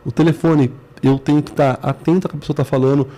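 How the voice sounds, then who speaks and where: This man, a Brazilian-accented business management CEO guesting on an interview, explains things earnestly through short, stacked phrases. He talks quickly in a slightly high voice with a dark tone and fairly even intonation.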